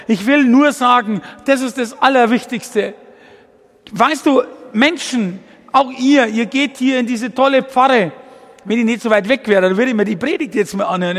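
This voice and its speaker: A very high-pitched man in his sixties with a gravelly edge delivers a lively testimony sermon. He talks directly to the congregation, jumping between tangents with plenty of energy. His voice rings out with a long church reverb. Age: 60s. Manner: energetic, addresses listeners directly as du, digressive. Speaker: guest preacher.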